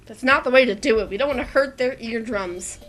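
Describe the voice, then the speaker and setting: A woman's voice: fairly high pitch, a little fast, a bit bright, soft background music. A woman hosting a game video, reading the story aloud and scolding her co-host. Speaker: let's-play host. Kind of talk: reading a visual novel aloud.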